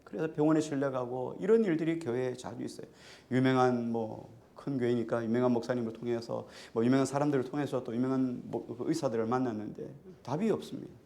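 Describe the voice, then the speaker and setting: Male pastor, mid-pitched voice, preaches conversationally and questions the pews. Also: quick pace, creaky, dark tone. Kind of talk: sermon.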